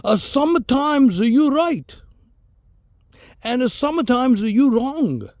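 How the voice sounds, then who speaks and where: A man's voice: very high-pitched, big pitch swings, slow pace, darkish tone, no echo, studio quality, pitched above the performer's own voice, full character voice. Man doing a stubborn old Italian uncle. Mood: flustered insisting. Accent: put-on Italian accent. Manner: insistent, broken English.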